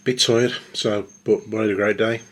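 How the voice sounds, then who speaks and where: A man's voice: fairly low pitch, fairly even intonation, moderate pace. A man with a Black Country accent chatting casually and a little self-consciously in a rambling vlog. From West Midlands, England. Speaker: amateur vlogger, lorry driver. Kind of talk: casual vlog chat to camera. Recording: clear road and vehicle noise.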